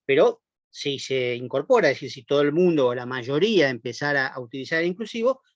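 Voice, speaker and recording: A man lectures a class at an even, middling pitch, unfolding his points patiently and pausing to check in with quick tag questions and hesitant fillers. The sound is dull and lo-fi, with a close, dry quality and no room echo. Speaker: university lecturer.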